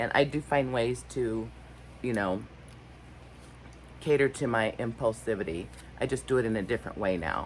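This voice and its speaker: A woman with a very deep, low pitch and vocal fry speaks at a moderate pace with ordinary pitch variation, taking long, frequent pauses. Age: 60s. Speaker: vlogger. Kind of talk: casual chat. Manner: halting.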